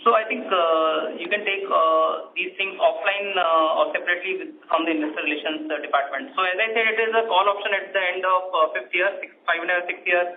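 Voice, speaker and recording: Male finance executive, careful halting delivery, thin telephone sound, faint background noise. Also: high-pitched, steady tone. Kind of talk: unscripted technical explanation on a call. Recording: tinny phone line with faint noise.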